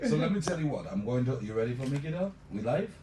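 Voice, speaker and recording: A man's voice: medium pitch, big pitch swings, fast talker, mellow. A male radio host talking effusively on a live show, repeating "let me tell you" as he builds up his guest. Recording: echoey room, mic at a distance, noisy.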